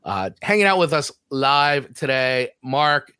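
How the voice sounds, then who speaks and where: A man's voice: mid-range voice, big pitch swings, a little slow, bright, forceful tone, smooth, no echo, studio quality. A man with a New Jersey accent co-hosting a podcast, chatting casually and rambling through show plugs. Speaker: podcast co-host. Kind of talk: casual chat.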